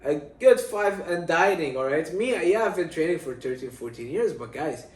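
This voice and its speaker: A man's voice: fairly high pitch, lively intonation, normal speed. A man from Syria in his thirties, giving fitness advice in casual talk to camera and repeating his key points. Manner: emphatic, repeats key points, addresses viewers as guys. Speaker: fitness vlogger. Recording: roomy, distant from the mic.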